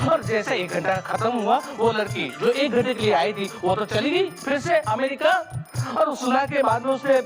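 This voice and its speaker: Young bachelor, twenties, whiny, pleading, comic self-pity, very high voice, faint music. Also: male voice. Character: whiny young man, twenty-five, complaining at a police station.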